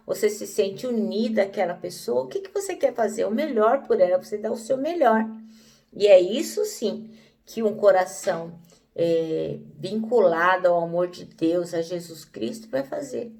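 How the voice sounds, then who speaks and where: A woman teaching a devotional Bible lesson in a middle-pitched, gravelly voice. She speaks conversationally, with frequent tag questions. She sits a bit back from the microphone. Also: moderate pace, darkish tone, recorded from a distance.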